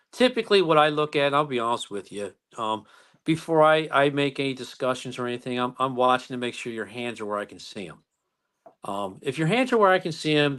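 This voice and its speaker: Calm, steady-talking police officer, a man. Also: medium pitch. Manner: calm, steady, many restarts and fillers. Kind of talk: casual interview storytelling.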